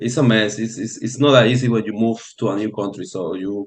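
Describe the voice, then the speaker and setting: With a Venezuelan accent, a man talks at a moderate pace. His pitch is medium and his intonation fairly even. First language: Spanish. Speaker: trader. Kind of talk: interview. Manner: halting, with many repetitions and fillers.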